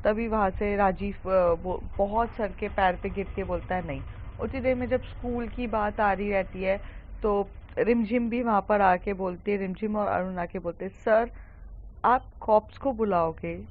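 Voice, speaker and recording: A woman's voice: mid-range voice, steady tone, moderate pace, slight background noise. Casual woman storyteller, lo-fi. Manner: casual, with many hesitations.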